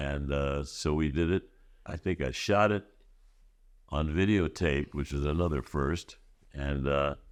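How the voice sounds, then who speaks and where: A man's very deep, low voice with vocal fry, ordinary pitch variation and a moderate pace, over a quiet background. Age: 80s+. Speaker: television producer. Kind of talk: interview answer. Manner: anecdotal storytelling.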